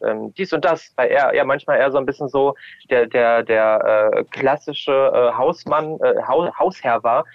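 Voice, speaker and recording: A man talks as a podcast guest in a casual, reminiscing way. He searches for words and restarts often, then lands his points emphatically. His medium-pitched voice comes through close and dry, slightly dulled. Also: dry recording, lo-fi sound. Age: adult. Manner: halting, searching for words, emphatic, acts out short quotes. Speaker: podcast guest, drag queen and DJ.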